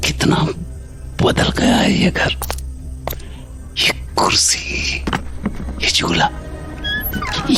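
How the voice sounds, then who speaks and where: A man plays a disturbing son, back after decades, whom his own mother calls a monster. He speaks slowly in a breathy, whispery way, his pitch lurching between sing-song sweetness and hurt. Faint music hums beneath this horror audio drama. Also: pushed and bright, exaggerated voice. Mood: eerie cheer. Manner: creepy, whispery, swings from sweet to wounded. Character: unsettling grown son, returned after 22 years, mother calls him a monster.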